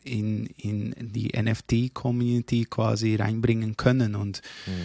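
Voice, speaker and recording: A man's monotone, flat delivery at a fairly slow pace, in a dry, close sound with no echo. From Switzerland. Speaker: risk manager and NFT enthusiast. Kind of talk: casual interview chat.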